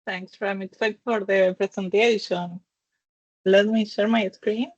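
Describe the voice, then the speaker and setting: A woman's voice: medium pitch, steady tone, unhurried, darkish tone, highs cut off. A woman from Argentina with an Argentine accent and Spanish as her first language, presenting to a webinar audience over a video call. She talks in careful non-native phrasing and laughs between points. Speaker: finance consultant presenter.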